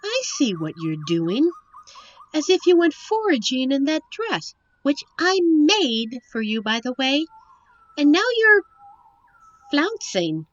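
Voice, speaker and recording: A woman's voice: high voice, big pitch swings, takes it slowly, muffled recording, full character voice. A woman playing a sheltered young princess in a fantasy audio drama, fussy, eager and melodramatic. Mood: indignant. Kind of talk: fantasy audio roleplay acting.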